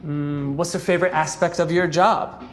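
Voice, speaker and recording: A woman interviewer firing off short, upbeat questions in quick succession. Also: deep voice, fairly even intonation, faint music behind. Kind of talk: quick street-style questions.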